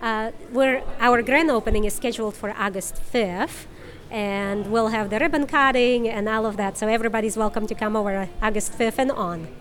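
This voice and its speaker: A woman's voice: fairly high pitch, moderate pace, a little hiss or hum. A woman from Ukraine, a cafe owner, answering a reporter's questions outdoors on a street in a friendly, earnest way.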